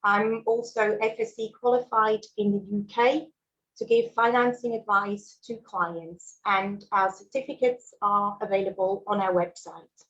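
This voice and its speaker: A woman's voice: medium pitch, fairly even intonation, a little slow, fairly bright tone, muffled recording. A Swiss woman whose first language is German, presenting a mortgage webinar in a friendly way with fillers and small laughs. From Switzerland. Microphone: video call.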